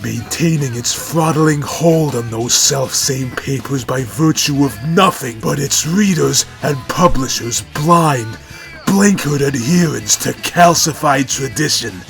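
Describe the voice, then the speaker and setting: A man's voice: mid-range voice, gravelly, fairly bright tone, voice pushed up. A man voicing a macho, pompous, menacing cartoon cat in a storybook narration, with a bombastic and wordy manner. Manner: bombastic, verbose, threatening.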